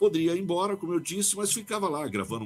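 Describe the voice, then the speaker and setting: A man is speaking. His voice has vocal fry. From Ituverava, São Paulo state, Brazil. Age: 60s. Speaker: radio announcer. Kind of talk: interview answer. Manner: casual, reminiscing.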